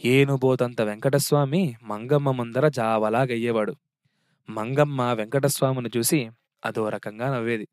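A man narrating a story in a steady, wry reading voice. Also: mid-range voice, normal speed, smooth, dry recording, clean studio sound.

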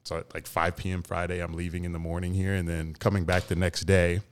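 A man's voice: low voice, little pitch movement, a little fast, slight background noise. A young adult man co-hosting a casual podcast, talking informally with slang and some swearing. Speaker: podcast co-host.

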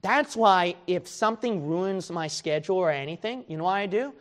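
Guy preaching hard, high voice, keeps throwing questions at the crowd and mimicking their excuses. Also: animated, moderate pace, a bit bright. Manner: emphatic, confrontational preaching with rhetorical questions; acts out imagined excuses in quoted voices. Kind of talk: sermon.

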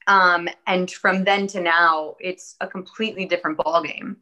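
A woman's voice: on the low side, fairly even intonation, moderate pace, pushed and bright, rough recording. A woman in her early thirties, an actress and interview guest, born in the US with Spanish as her first language, talking in a casual, earnest, optimistic way with frequent "um"s. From born in Atlanta, Georgia, US. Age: early 30s. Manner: upbeat, earnest, lots of "um" and "I think".

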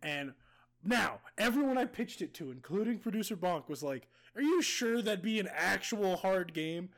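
A man's voice: high voice, moderate pace. A young man co-hosting a casual podcast, running a silly quiz game with a goofy, joking manner. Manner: goofy, joking, animated game-show announcing. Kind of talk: casual chat.

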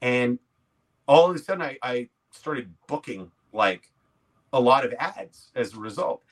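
A man's voice: mid-range voice, expressive, a little slow. A man in his forties with a Canadian accent, telling anecdotes in a casual, self-deprecating way as an interview guest. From Quebec, Canada. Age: 40s. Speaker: podcast guest, comedy actor and writer. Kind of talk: casual conversational storytelling.

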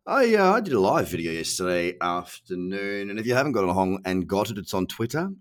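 A man's voice: low-pitched, big pitch swings, a little fast. A middle-aged Australian man hosting a casual solo podcast, sounding nasal from a cold and talking in a chatty, slangy, self-mocking way. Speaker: podcast host.

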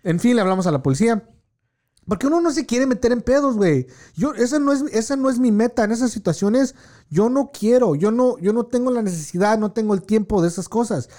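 A man's voice: high-pitched, expressive, brisk, mellow. A man, chatting casually and telling a profane story, dropping in English words. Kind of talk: casual chat.

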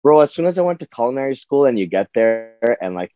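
A man's voice: medium pitch, big pitch swings, quick pace. A man from Toronto, chatting casually as an interview guest in slangy talk, on a slightly muffled recording. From Toronto, Canada. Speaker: podcast guest, chef.

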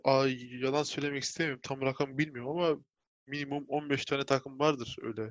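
A man's voice: medium pitch, flat delivery, quick pace, dry recording, lo-fi sound. A man chatting casually, explaining his points in a hedging way. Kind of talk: casual chat.

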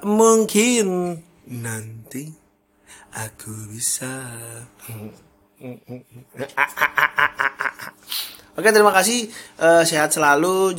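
Husky-voiced young man hosting a chatty podcast. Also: on the high side, fairly bright tone. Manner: chatty, self-correcting, laughs at own slips. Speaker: podcast host. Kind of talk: casual solo podcast monologue.

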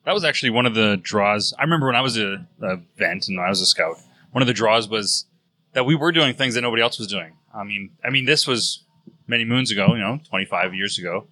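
Man, podcast co-host, fast-talking, very bright and forceful voice, storytelling, dry sound. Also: lowish voice, lively intonation, no echo. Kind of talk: casual chat.

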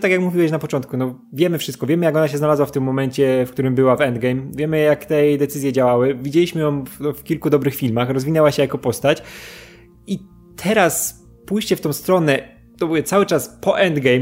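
Male podcast co-host, fairly high voice, relaxed and chatty. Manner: chatty, ends points with tag questions. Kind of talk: casual film discussion.

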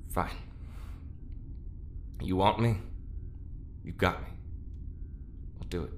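An actor playing an anguished, stubborn young prisoner in an audio drama, earnest and halting, shielding friends. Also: low voice, steady tone, a little hiss or hum. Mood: quiet, resolute.

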